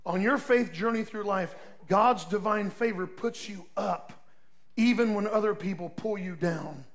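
Older man, pastor, high-pitched voice, folksy sermon, emphatic, soft asides. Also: unhurried. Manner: folksy, storytelling, emphatic with sudden loud peaks and soft drops.

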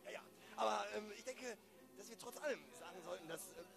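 Man as a creaky, eagerly courteous detective. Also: high voice, fairly quick, loud music behind the voice. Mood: eagerly hospitable. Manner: rambling, formally polite. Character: chatty, courteous, over-eager police detective and host. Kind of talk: improvised audio drama.

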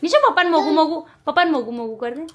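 A young mother with a fairly high voice coaxes her little one in playful sing-song baby talk. She chats casually at home, drawing out words to get the child to repeat them. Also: very fast. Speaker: mother and family vlogger. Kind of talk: casual family chat with a toddler.

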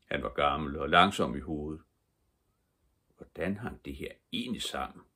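An older man reading a children's book aloud as a calm, measured bedtime story. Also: rumbling low, slightly rough. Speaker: audiobook reader.

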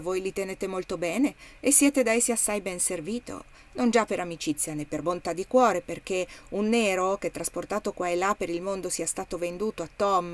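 A woman's voice: medium pitch, natural voice. A woman reading the part of an indebted, uneasy male plantation owner who speaks curtly and with disgust. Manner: curt, disgusted.

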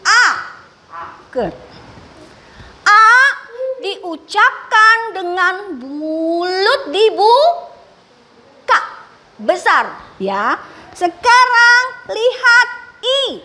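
A woman teaching young children with special needs in a radio lesson, speaking slowly with exaggerated enunciation and frequent praise. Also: very high voice, very animated, pushed and bright.

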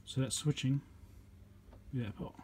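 A man's voice: medium pitch, unhurried, darkish tone, slight background noise. A man giving casual commentary as he repairs electronics, thinking aloud as he works at a workbench. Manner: muttering, thinking aloud while working.

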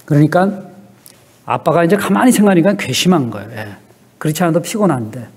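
A middle-aged man preaching a sermon in a church, telling stories and often dropping a soft "yes" between phrases. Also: a little high, expressive, fast talker, husky. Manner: peppers speech with a soft affirming "yes". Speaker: pastor. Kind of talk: sermon with storytelling.

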